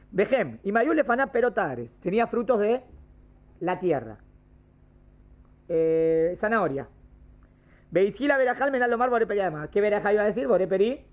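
A man teaching a classroom lesson on Jewish law, repeating each case and checking that his students follow. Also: sits high. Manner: explains by repeating cases and quizzing students. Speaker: religion teacher.

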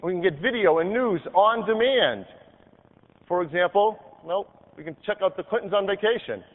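A man giving an upbeat live software demo on a conference stage, clicking through features as he talks. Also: high-pitched, animated, normal speed. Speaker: product demonstrator on stage. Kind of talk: live keynote product demo. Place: large convention hall stage. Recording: tinny, hall-reverb archive video of a keynote.

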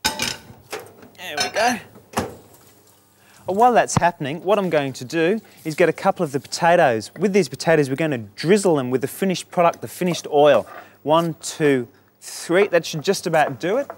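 A man's voice: fairly high pitch, moderate pace, slight background noise. A man with an Australian accent, a chef explaining a dish step by step on a studio kitchen set. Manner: relaxed, explanatory, chatty. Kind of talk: cooking demonstration.

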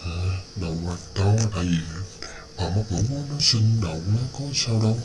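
Cartoon tiger disguised as ailing granny, played by a man: low-pitched, coaxing, hesitant, noisy recording. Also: animated, a little fast, natural voice. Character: fierce tiger posing as a sick old grandmother. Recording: noisy home-made cartoon dub, ambience behind.

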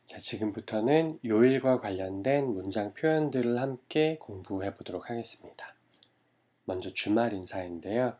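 A man teaching a language lesson, modeling each word slowly and repeating it for learners. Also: lowish voice, expressive, darkish tone. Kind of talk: slow, careful language lesson.

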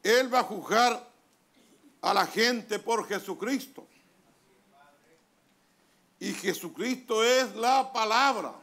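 Chilean male pastor, fairly high gravelly voice, unhurried sermon delivery with amens. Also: bright, forceful tone. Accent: Chilean Spanish. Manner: deliberate preaching with pauses, calls of amen. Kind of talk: sermon reading from a translated message. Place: church hall.

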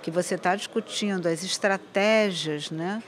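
A woman's voice: fairly low pitch, measured pace, a crowd in the background. An older woman with a Brazilian Portuguese accent, a state legislator, explaining steadily into a handheld mic. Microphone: handheld reporter mic.

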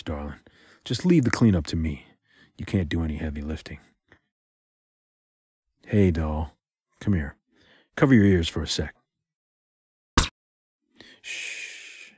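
A man acting as a male spy agent with a deep, husky voice, recorded close and dry. He is protective and defiant, with a tender streak, in the intimate style of an audio drama. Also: darkish tone, dry recording, exaggerated voice. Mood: gentle.

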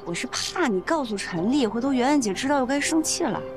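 An actress playing a timid young woman who explains herself hesitantly and softly. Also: high-pitched, expressive, fairly quick, over music. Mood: sheepish. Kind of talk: TV drama acting. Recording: TV drama with loud score.

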